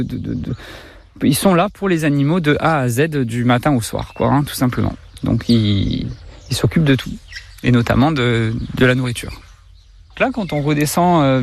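Man, middle-aged, from Corsica, zoo director, hesitant, restarts often, walking outdoors, light background noise. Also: medium pitch. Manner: hesitant, many fillers and restarts. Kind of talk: interview on a walking tour.

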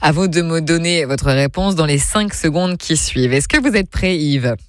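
A woman's voice: sits low, normal speed, no echo, studio quality. Chatty woman hosting a radio call-in game. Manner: chatty, teasing, upbeat. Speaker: radio host.

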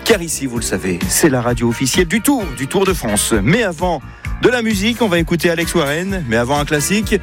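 A woman's voice: sits low, sing-song, quick pace. A woman hosting live radio, chatty and playful as she announces the next items. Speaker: radio host. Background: clear music.

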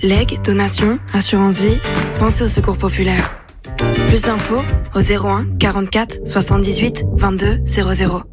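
A woman voicing a charity radio advert in a gentle, persuasive read. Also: medium pitch, fairly even intonation, normal speed. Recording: loud music underneath.

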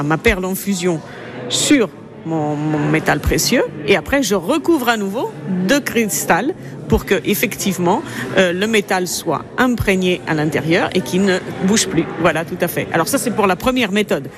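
A woman with an Italian accent, a jewellery designer talking about her craft in an interview, effusive and repeating herself as she explains. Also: lowish voice. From Italy. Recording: busy crowd noise behind.

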